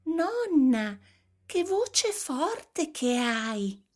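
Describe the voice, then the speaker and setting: A woman voicing a timid little girl in a red hood in a storybook, asking slow, wondering questions. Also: sits high, very animated, faint music behind, pitched above the performer's own voice, heavily acted.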